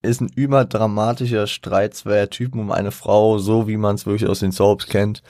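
A man's voice: fairly low pitch, flat delivery, normal speed, mellow, no room sound, clean studio sound. A young man chatting casually in German about a rap album, rambling and correcting himself as he goes. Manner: rambling, self-correcting, laughs often. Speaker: podcast host. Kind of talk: casual music commentary.

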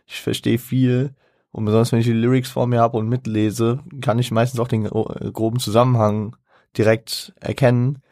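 In clean studio sound with no room echo, a young man offers casual German-language commentary on a rap album for his podcast. He rambles, corrects himself and laughs a lot. His voice is medium-pitched and darkish, level in tone and moderately paced.

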